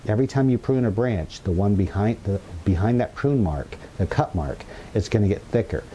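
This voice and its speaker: A man's voice: lowish voice, expressive, moderate pace, warm tone, slight background noise. A middle-aged man, recovered with a little left in his throat, gives an upbeat, reassuring, chatty gardening lesson from an outdoor patio garden. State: recovered, slight leftover throat. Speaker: gardening channel host. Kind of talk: casual gardening tutorial. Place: outdoor patio garden full of potted plants.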